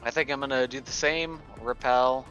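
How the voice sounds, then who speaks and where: A man's voice: mid-range voice, steady tone, normal speed, a bit bright. A man playing a tabletop roleplaying game, chatting casually as he makes his moves. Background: prominent music under the voice.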